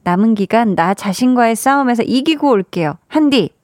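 Female radio DJ, bright-pitched and upbeat, close dry studio mic. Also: animated, moderate pace, no room sound. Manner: cheerful, encouraging. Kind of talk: late-night radio chat, reading listener messages. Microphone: studio microphone.

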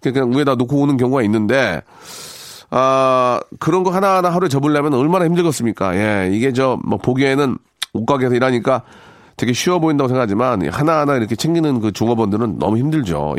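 Male radio host, polite and conversational, animated delivery with casual asides, close dry studio recording. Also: medium pitch, fast talker, no echo. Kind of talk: reading listener stories and commenting, casual radio talk.

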